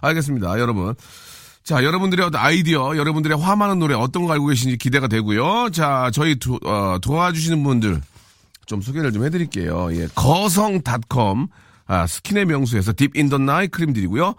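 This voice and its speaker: Playful Korean radio host, lively pitch. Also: male voice, a little fast, dry recording, studio quality. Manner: playful, joking asides, sudden loud outbursts. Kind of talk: casual radio talk, reading listener texts and sponsors.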